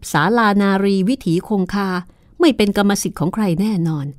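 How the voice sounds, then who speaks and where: A woman's voice: mid-range voice, lively intonation, a little fast, darkish tone, dry recording, natural voice. A woman doing a leering young villain. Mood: mocking. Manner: sneering, taunting.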